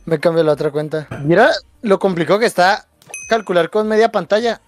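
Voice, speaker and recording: A man's voice: high voice, brisk. A man chatting casually during a game session, teasing and joking with his friend. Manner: joking, teasing, playful banter. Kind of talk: casual gaming chat with a friend.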